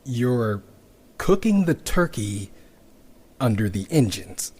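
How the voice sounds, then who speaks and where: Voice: medium pitch, very animated, takes it slowly, darkish tone, breathy edge, exaggerated voice. An actor playing a wary, exasperated friend in a sci-fi audio drama, questioning and scolding in disbelief. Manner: incredulous, scolding.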